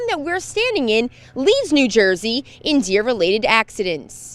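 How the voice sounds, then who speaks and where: Noticeable background noise sits behind a woman with a high pitch. She talks at a moderate pace with very wide pitch swings. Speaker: TV news reporter. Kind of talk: news reporter stand-up.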